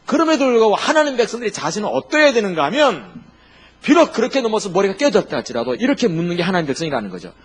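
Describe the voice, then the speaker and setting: Husky, animated Korean pastor preaching. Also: male voice, sits high, rapid-fire. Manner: asks the congregation rhetorical questions, jokes and laughs; lively, emphatic preaching with sudden loud and quiet turns. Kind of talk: sermon.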